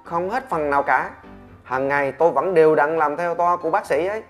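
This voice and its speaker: A man's voice: a little high, brisk, faint music behind, voice pushed up, natural voice. A man voicing a naive male patient who earnestly explains himself, puzzled.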